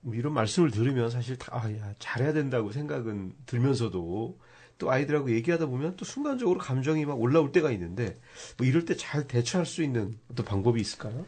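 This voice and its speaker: A man's voice: mid-range voice, sing-song, fast talker, a little mellow, breathy edge. A man hosting a radio talk show, asking casual questions and giving brief backchannel replies.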